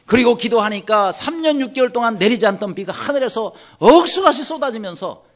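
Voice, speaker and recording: Male pastor preaching, high lively voice, asks the congregation questions. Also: brisk. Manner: acts out anguished quoted pleas in a raised voice. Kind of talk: sermon.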